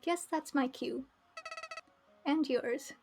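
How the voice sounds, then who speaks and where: An easygoing skeleton character from a visual novel, read by a woman, friendly and fond of jokes. The delivery is casual and laid-back, in a high register. Music plays behind it. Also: slow pace, gravelly, darkish tone, full character voice.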